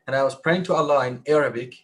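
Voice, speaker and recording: Man, Persian speaker, live online discussion, halting, restarts often, mid pitch. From Iran. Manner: halting, many restarts, rising emphasis. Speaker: panelist.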